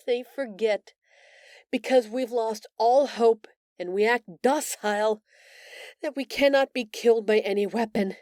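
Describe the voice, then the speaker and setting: A gentle alien woman played by a female voice actor speaks slowly and earnestly in an intimate roleplay monologue. She sounds remorseful and empathetic, hesitating with feeling, in a very dry, close recording. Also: fairly high pitch, dry recording, close to an everyday voice. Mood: bitter, intense. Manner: earnest, hesitant, emotional, with sighs and pauses.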